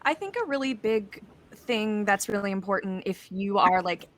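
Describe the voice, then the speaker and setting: A woman with a voice of average pitch. She chats on a panel in an informal, slightly jokey way, talking as if among peers. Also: normal speed. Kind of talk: casual panel chat.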